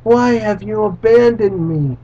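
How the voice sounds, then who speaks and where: A man's voice: high voice, measured pace, warm tone, pitched above the performer's own voice. A man reading the lines of a frightened little boy who calls for his parents, raising his voice a little. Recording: dull lo-fi recording.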